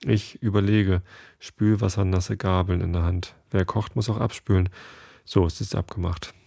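Low, gravelly male story reader. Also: level tone, moderate pace, dark tone, dry recording, clean studio sound. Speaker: podcast host reading a story. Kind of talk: calm scripted story reading.

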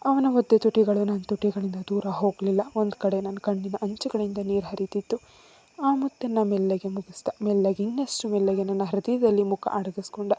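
A woman narrating a romantic story in the first person, in a soft, emotional way. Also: medium pitch, fairly even intonation, normal speed, slightly rough.

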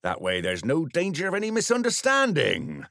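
A man voicing a smug police sergeant who speaks in a formal, pompous, measured way. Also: low voice, bright, forceful tone, no echo, studio quality, exaggerated voice.

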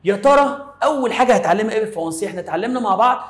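A man with an Egyptian Arabic accent giving a playful, casual French lesson, explaining slowly with little stories. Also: high-pitched, expressive, reverberant. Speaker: French teacher.

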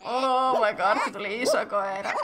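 A young woman hosting casual game commentary, chatty and excitable, thinking aloud and squealing at cute animals. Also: fairly high pitch, heavy background noise. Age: young adult. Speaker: gaming channel host.

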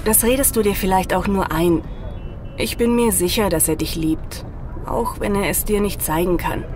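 A woman acting a caring young mother and daughter-in-law in a German audio drama, speaking gently, earnestly and insistently. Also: mid-range voice, normal speed, noisy background, lightly acted. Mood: gently probing.

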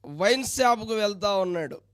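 A man's voice: sits high, expressive, moderate pace, no room sound, studio quality. A man preaching a sermon as pastor, pressing his listeners with pointed questions.

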